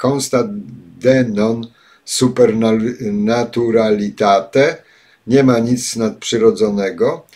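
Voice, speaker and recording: An older man giving spoken commentary and reading passages aloud, pausing often with filler sounds, recorded at a desk webcam in a home study. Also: lowish voice, darkish tone. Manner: halting, many filler sounds. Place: home study with bookshelves, indoors.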